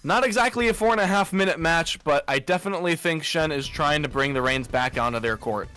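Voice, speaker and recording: Male esports caster, bright tone, measured analysis, filler-heavy delivery. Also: fairly high pitch, smooth. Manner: analytical, steady, frequent "uh" fillers. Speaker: esports commentator. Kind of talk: play-by-play game commentary.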